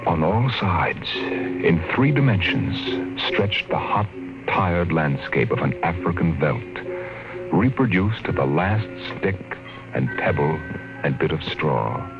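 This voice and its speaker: A vivid, grave storyteller with a very low American voice and sweeping intonation. His narration is measured and theatrical, in 1950s radio style, with prominent music behind him on an old broadcast recording. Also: sing-song, exaggerated voice, poor audio. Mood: grave, ominous. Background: loud dramatic music.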